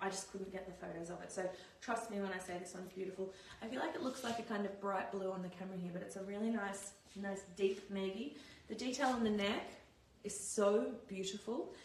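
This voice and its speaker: Audible room echo and light background noise accompany a fairly quick voice with an Australian accent. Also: woman, medium pitch for a woman. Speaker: clothing shop presenter; presenter. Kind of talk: live product try-on sales walkthrough. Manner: fast; animated. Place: shop. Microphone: phone near.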